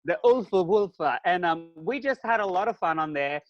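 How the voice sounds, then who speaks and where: A man's voice: high-pitched, lively intonation, normal speed, no room sound, dull audio, faint music behind. A man co-hosting a podcast in casual chat, upbeat and enthusiastic. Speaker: podcast co-host.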